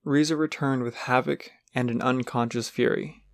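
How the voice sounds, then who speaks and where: A man's voice: medium pitch, fairly even intonation, moderate pace, gravelly, dry recording, clean studio sound. A man giving scripted third-person narration for an audio drama.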